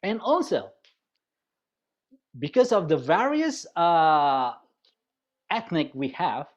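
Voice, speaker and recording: A man from West Java with an Indonesian accent giving a webinar presentation as a university lecturer. He talks in a chatty, halting way with many restarts and draws listeners in with questions. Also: a little high, very animated, muffled recording.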